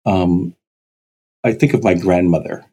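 A man, a pastor, speaking in a heartfelt, sober way with halting phrases in a conversation. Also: deep voice, dark tone, slightly rough. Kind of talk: conversation on a podcast.

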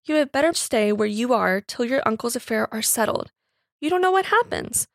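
A woman's voice: a little high, animated, moderate pace, creaky, fairly bright tone, no echo. Storybook master, read by a woman: amused, formal, reasoning, mildly condescending, recorded dry. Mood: reasoning, advising. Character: genteel, amused Victorian master of the house.

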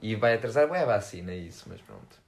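Low-voiced young man, slangy. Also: expressive, fast talker. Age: young adult. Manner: slangy, informal. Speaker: podcast co-host. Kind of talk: casual chat.

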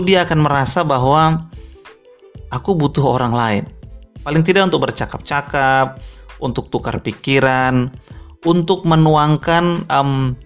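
A man giving a reflective sermon-style teaching, thinking aloud with fillers and rhetorical questions. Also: medium pitch. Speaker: preacher.

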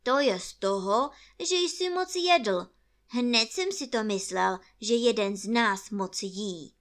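A woman's voice: on the high side, expressive. A woman voicing a cautious, fussy little rabbit with a prim, polite manner in a storybook reading. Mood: tart.

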